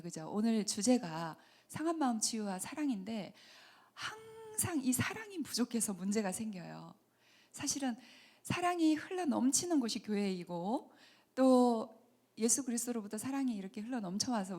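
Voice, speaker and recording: A middle-aged woman giving a Christian lecture on healing, talking earnestly and dropping to soft whispers for emphasis. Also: fairly high pitch. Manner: earnest, acts out mothers and children in quoted asides. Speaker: counseling center director giving a lecture.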